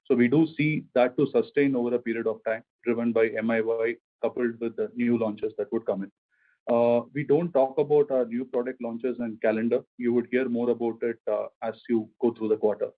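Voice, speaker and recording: Man, medium pitch, company executive, measured corporate explaining, narrow phone-band sound. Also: fairly even intonation. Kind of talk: answering analyst questions on an earnings call. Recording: phone-like conference call line.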